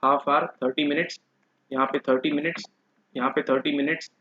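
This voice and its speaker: A man teaches an exam-prep class in a slightly higher voice. He keeps asking his listeners questions and then answers them himself. The sound is dull and lo-fi, with a roomy echo. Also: level tone, brisk. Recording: echoey room, dull lo-fi sound.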